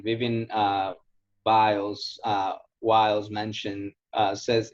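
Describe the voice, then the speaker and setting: Low-voiced man coaching, dull lo-fi audio. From Ecuador. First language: Spanish. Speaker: sales trainer. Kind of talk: informal coaching in a question and answer session.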